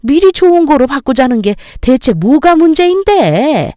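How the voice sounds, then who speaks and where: A woman's voice: sits high, big pitch swings, moderate pace, dark tone, no echo, clean studio sound. A woman voicing a greedy older mother-in-law who nags and lectures condescendingly in a dramatized story reading. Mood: scolding.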